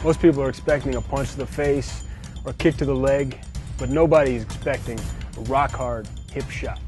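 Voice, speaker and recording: A man in his forties, a martial arts instructor, talking in a pompous, self-serious deadpan in a large indoor dojo. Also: medium pitch, fairly quick, over music. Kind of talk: deadpan mockumentary comedy.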